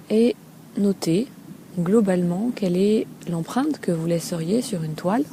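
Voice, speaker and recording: Une femme guide un body scan en improvisant, d'une manière douce et posée, avec des pauses hésitantes entre de courtes phrases. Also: female voice, on the low side. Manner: gentle, unhurried, hesitant pauses between short phrases. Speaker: Feldenkrais teacher guiding a body scan. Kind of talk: guided relaxation lesson, spoken unscripted. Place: outdoors by a calm sea. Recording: steady seaside ambient noise. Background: sea ambience with some seagulls.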